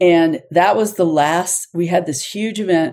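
In an American accent, a woman talks at a moderate pace with a dark, mellow tone and ordinary pitch variation. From Arkansas, US South. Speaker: mountain bike tour company CEO. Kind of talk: interview conversation.

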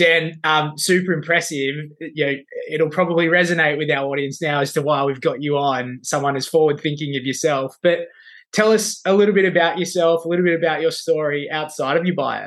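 In an Australian accent, a man talks at a fairly quick pace and fairly high pitch. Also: fairly even intonation. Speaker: podcast host and financial adviser. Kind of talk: podcast interview.

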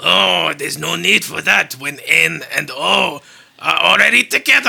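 In a put-on character voice with a French accent, a man speaks raspily at a moderate pace.

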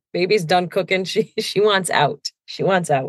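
A woman with an American accent speaks at a moderate pace. Her voice is somewhat breathy. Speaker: podcast host and author. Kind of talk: casual monologue. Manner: animated, conversational with fillers.

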